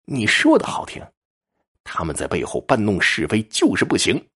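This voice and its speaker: A man's voice: on the low side, wildly swooping pitch, moderate pace, sharp tone, husky, full character voice. A man voicing a sly, vengeful female white fox spirit that possesses a woman, speaking in a haughty, mocking way. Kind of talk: storytelling.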